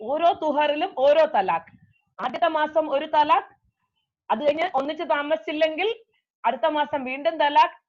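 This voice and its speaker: A woman giving a law lecture, explaining terms step by step and repeating key words, switching between slow, careful English and quicker speech. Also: sits high, lo-fi sound.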